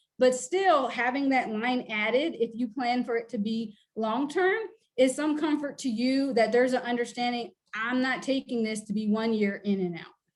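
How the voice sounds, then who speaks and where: A woman speaks with a high pitch. Her pace is moderate and her pitch variation ordinary. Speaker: statistician, panelist. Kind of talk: webinar presentation.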